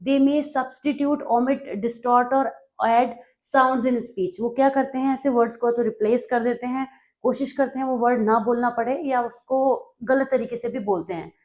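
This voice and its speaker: A woman's voice: a little high, steady tone, measured pace, a little mellow. A woman from North India, working as a tutor, explains study notes in a conversational way and often checks in with her listeners.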